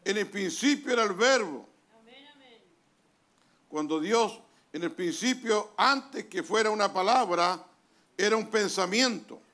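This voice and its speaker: A man with a Chilean accent, a pastor preaching a sermon in a church hall, pausing often and calling for amens. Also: sits high, pushed and bright. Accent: Chilean Spanish. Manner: deliberate preaching with pauses, calls of amen. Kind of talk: sermon reading from a translated message.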